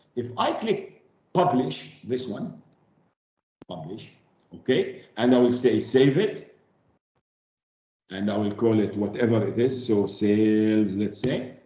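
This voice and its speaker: The tone is dark and mellow, with ordinary pitch variation and audible room echo. Delivery is very slow, broken by long, frequent pauses. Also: man, medium pitch for a man. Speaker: software trainer. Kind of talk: tutorial.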